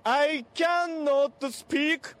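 A man from Japan with a Japanese accent, a football fan speaking halting, hesitant English in a TV interview. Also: very high-pitched, fairly even intonation, fairly bright tone.

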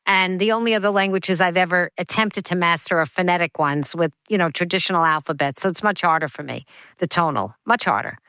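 A woman hosts an interview in a chatty, enthusiastic way. Her voice is smooth and resonant, recorded close and dry. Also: on the low side, a little fast, pushed and bright, dry recording. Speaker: radio or podcast host. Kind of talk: interview hosting.

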